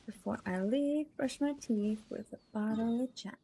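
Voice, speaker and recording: A woman's voice: fairly high pitch, moderate pace, warm tone, slight background noise. A woman streaming a video game and chatting casually with her viewers in a playful, giggly way. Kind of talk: casual live-stream chat. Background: faint game music.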